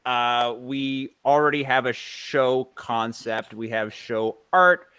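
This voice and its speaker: A man presents informally on a panel in a clear, smooth voice of medium pitch. He is halting, often rephrasing as he thinks aloud. The sound is close and dry. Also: sharp tone, no echo. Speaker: panelist and podcast creator.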